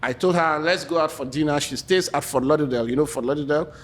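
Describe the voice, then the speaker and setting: A man's voice: fairly high pitch, fast. A man with a Nigerian accent, a podcast guest telling stories in casual chat, laughing often and repeating words as he starts.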